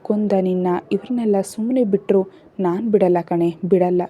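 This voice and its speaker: A woman's voice: medium pitch, steady tone, normal speed, husky, narrow, tinny audio, lightly acted. A woman voicing a fierce vengeful young wife. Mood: bitter. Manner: hissing threats through clenched teeth.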